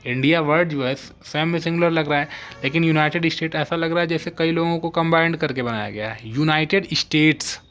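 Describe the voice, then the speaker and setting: A man's voice: fairly high pitch, brisk, fairly bright tone. Man teaching English grammar. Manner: explains step by step, keeps checking "ठीक है?". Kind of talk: live online exam-prep lesson.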